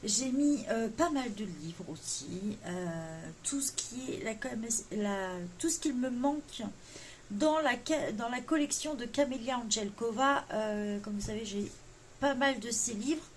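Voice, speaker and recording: A woman's voice: on the high side, a little slow, a little hiss or hum. A woman vlogger chatting casually about her wish list, with many hesitant fillers. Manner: jokes about her English accent. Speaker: coloring vlogger. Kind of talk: casual chat.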